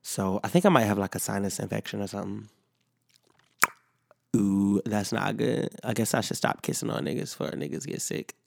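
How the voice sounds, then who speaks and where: Gravelly man, rambling podcast chat. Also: on the low side, normal speed, a little mellow, no room sound, studio quality. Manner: rambling and candid, with frequent fillers and swearing. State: voice not fully recovered from illness. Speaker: podcast host. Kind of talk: casual solo podcast chat.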